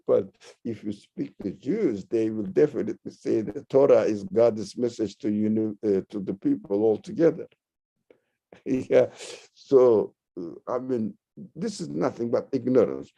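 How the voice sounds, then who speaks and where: A man from Turkey, teaching religion in a discussion, halting and searching for words, then rising sharply to stress key points. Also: fairly low pitch, animated, creaky, warm tone, highs cut off. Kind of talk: lecture-style discussion.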